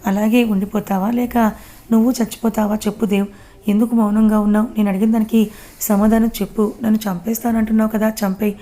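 A woman's voice: medium pitch, flat delivery, quick pace, mellow, close to an everyday voice. A woman voicing a proud, reckless young woman, insistent and pleading.

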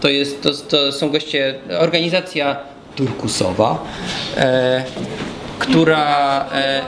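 A guest speaker with a mid-range voice and slow pace explains something step by step while drawing on a whiteboard, restarting often. He's in a small, echoey brick-walled room, captured by a distant camera in a noisy, echoey recording.

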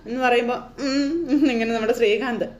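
A woman storyteller retelling a TV serial episode in a lively, conversational way. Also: fairly high pitch, quick pace. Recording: roomy echo.

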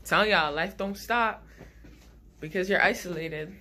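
A woman in her thirties, congested from a head cold, rambles chattily to camera in a small bedroom vlog, laughing often. She speaks a little slowly with a sharp tone on the low side, and there's a little hiss or hum.

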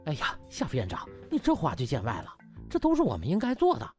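A man's voice: a little high, huge pitch swings, fast, darkish tone, soft background music. A man voicing sly male doctors who feign concern, with exaggerated pleading, in a comic audiobook.

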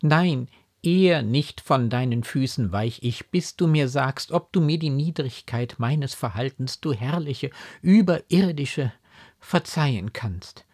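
An emotional, remorseful noblewoman and mother pleads with her daughter, her voice lifted higher than the reader's own, as a male reader puts her on. She speaks in lively, swinging phrases at a slow, deliberate pace.

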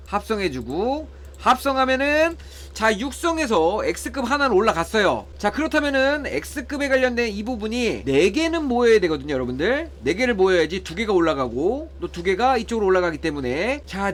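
Pleading for lucky draws and counting what he gets, a man casually narrates his mobile game pulls as gameplay commentary. He has a high, slightly bright voice.

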